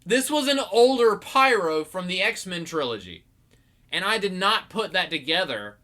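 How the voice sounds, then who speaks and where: A young man hosting a podcast, giving a rambling, excitable movie review full of restarts and fillers. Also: high-pitched, moderate pace. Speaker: podcast host. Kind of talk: casual movie review monologue.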